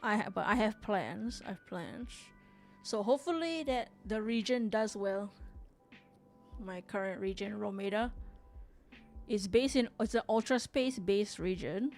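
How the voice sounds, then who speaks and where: A woman's voice: medium pitch, darkish tone. A woman from Singapore hosting a live drawing stream, chatting casually, reading chat aloud and rambling with frequent restarts. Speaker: livestream artist host.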